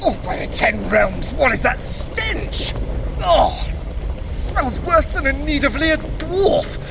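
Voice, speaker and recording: An actor playing a theatrical, sardonic and vengeful Norse god in an audio adventure, with grandiose, drawn-out delivery addressed to the listener. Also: male voice, very high voice, sing-song, creaky, background noise, full character voice. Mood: disgusted. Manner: grandiose, dramatic, drawn-out delivery with mock-tender asides. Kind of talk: dramatised fitness audio adventure, speaking to the listener.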